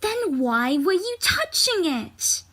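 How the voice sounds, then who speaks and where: A woman's voice: very high-pitched, sing-song, takes it slowly, bright, forceful tone, full character voice. A woman playing a stern, bossy, condescending young twin sister in an audio drama. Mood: exasperated.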